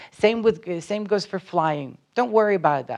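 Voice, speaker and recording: A high-pitched man with lively intonation. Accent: Ukrainian. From Ukraine. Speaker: missionary preacher. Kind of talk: sermon. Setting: church.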